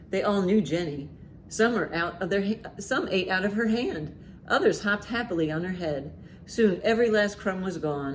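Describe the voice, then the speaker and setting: A woman hosting a children's storytime, reading aloud and reciting rhymes with expressive, deliberate emphasis. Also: lowish voice, slight background noise. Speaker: library storytime host.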